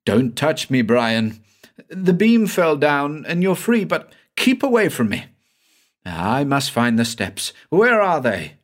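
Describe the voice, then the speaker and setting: A man's voice: big pitch swings, slow pace, fairly bright tone, full character voice. A man voicing a terrified, guilt-haunted man who shrieks in frantic fear in a dramatic audiobook reading. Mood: panicked. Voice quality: shrill, frantic.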